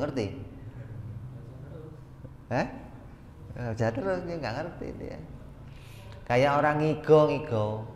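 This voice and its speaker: A man giving an Islamic study lecture in a conversational way, often firing rhetorical questions at his listeners and chanting lists of terms in a steady cadence. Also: medium pitch. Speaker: religious teacher. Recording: echoey hall with faint background noise.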